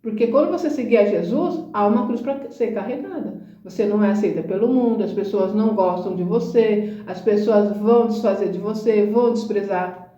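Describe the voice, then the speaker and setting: A woman's voice: medium pitch, warm tone, echoey room, muffled recording. A woman giving a conversational sermon, speaking earnestly and emphatically and often asking rhetorical questions. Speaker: Christian speaker.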